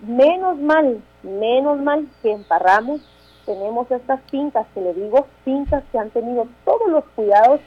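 A Guatemalan woman in her thirties, a town mayor speaking as a radio interview guest, halting with restarts and tag questions. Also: fairly high pitch, lively intonation, slightly rough, muffled recording. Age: 30s.

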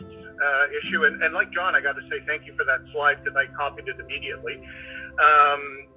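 A man's voice: on the high side, pushed and bright, dull audio. A man, general manager of a bus company, talking casually and hands-free on a car speakerphone while driving. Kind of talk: casual video call introduction.

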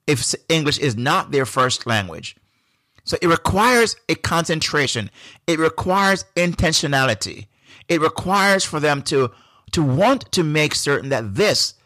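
A man from Jamaica with a Jamaican accent, hosting a solo podcast in a reflective, unhurried way with frequent restarts. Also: a little high, fairly bright tone, no echo, clean studio sound. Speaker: podcast host.

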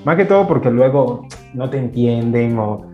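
A man with a Venezuelan accent touched by Mexican, a podcast guest who tells stories lively and acts out what others said. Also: medium pitch, normal speed, soft background music. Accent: Venezuelan with some Mexican. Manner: lively storyteller, acts out quotes, laughs. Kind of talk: casual podcast conversation. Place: at home in Mexico. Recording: dull, roomy remote call audio.

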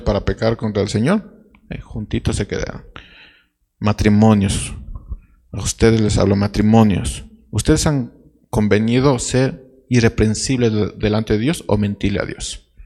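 A man's voice: fairly low pitch, moderate pace, gravelly, darkish tone. A man preaching a sermon as pastor, directly questioning his congregation.

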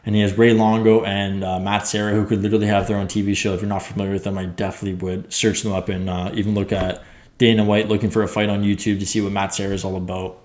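A young man casually recapping fights as a podcast host, rambling and excitable, swearing now and then. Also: lowish voice, fast. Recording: echoey room.

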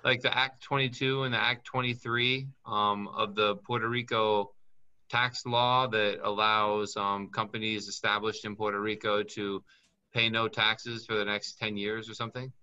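A man's voice: lowish voice, little pitch movement, measured pace, pushed and bright, smooth, muffled recording. A man working as a business consultant, talking in a chatty way and thinking aloud as he reads up on things during a call. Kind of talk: casual advice call.

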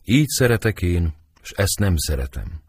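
A man's voice: deep voice, big pitch swings, darkish tone, breathy edge, dry recording, exaggerated voice. A man reading the part of Romeo, a brooding young nobleman in love, declaiming verse with sighing swings of feeling in an audiobook. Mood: lovelorn.

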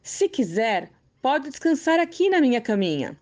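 A woman voicing a crafty, cheerful old man who talks calmly and teasingly in a storybook tale. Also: high voice, moderate pace. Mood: sly, teasing. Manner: sly, calm, teasing.

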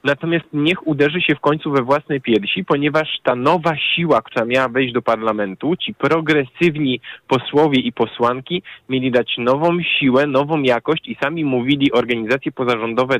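A man's voice: medium pitch, moderate pace, hardly any pauses, a bit bright, dry recording. Man, activist guest, earnest, campaigning, radio studio, dry sound. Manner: earnest, campaigning, lists organizations. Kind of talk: radio debate.

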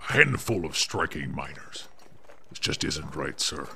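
A man's voice: very deep voice, big pitch swings, unhurried, gravelly, sharp tone, a little hiss or hum, exaggerated voice. A man playing a troubled, conscientious army sergeant in a role-play drama, earnest and clipped. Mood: indignant.

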